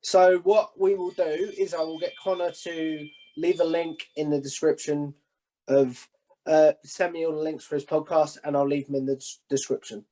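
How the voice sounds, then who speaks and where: A man's voice: on the high side, level tone, normal speed, dark tone, poor audio. A man hosting a casual interview in an informal, conversational way. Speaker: interview host.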